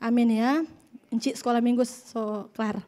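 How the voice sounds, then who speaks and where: Woman preacher, high voice, lively jokey sermon delivery. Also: moderate pace. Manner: lively storytelling, jokes with the congregation.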